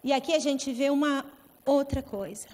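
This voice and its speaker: A woman pastor preaching a sermon with impassioned, dramatic swings in loudness. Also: sits high, moderate pace. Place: large convention center hall. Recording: reverberant convention hall.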